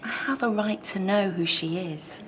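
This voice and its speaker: An actress in a TV drama playing an anxious, suspicious grieving daughter who talks hesitantly and insistently. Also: female voice, medium pitch, moderate pace, fairly bright tone, slight background noise, close to an everyday voice. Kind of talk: TV drama acting.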